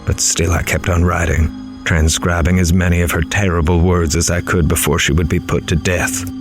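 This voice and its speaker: A man's voice: sits low, level tone, normal speed, rough recording. A man playing a grave, horrified reporter in a horror audio drama, dramatically telling his story in the first person. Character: horrified male reporter recounting an interview with a killer. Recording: music underneath.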